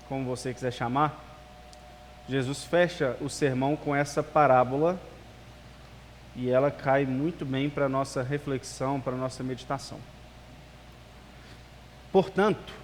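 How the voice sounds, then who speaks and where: A male pastor with a Minas Gerais Brazilian accent, preaching to a congregation in a conversational manner. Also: on the high side. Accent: Minas Gerais Brazilian Portuguese. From Espírito Santo, Brazil. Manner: conversational, rhetorical questions, tag "né". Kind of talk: sermon to a congregation. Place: church service, amplified hall. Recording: reverberant hall.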